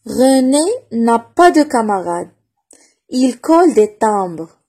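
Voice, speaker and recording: Woman going super slow thru syllables, says each one twice, soft husky voice. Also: fairly high pitch, very animated. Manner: patient, deliberate, repeats each syllable and word twice. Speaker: reading teacher. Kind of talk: slow phonics lesson, repeating each sound twice.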